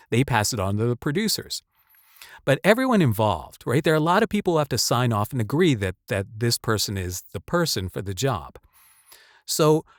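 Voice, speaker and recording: Casting: male voice actor sharing advice, mid-pitched, conversational and emphatic, with a rambling delivery in a dry space. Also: no echo. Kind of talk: casual advice talk to camera or mic.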